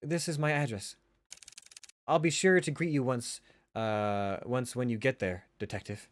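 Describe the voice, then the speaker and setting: A man's voice: mid-range voice, unhurried, dry recording, lightly acted. A man voicing a distressed, polite young woman in a visual novel, pleading and tremulous as she seeks a detective's help. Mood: grateful.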